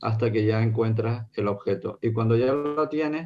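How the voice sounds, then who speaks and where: A man with a Canarian accent, a somewhat breathy medium-pitched voice and ordinary pitch variation. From Canary Islands, Spain. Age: 60s. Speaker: author. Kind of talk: book presentation interview. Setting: video call.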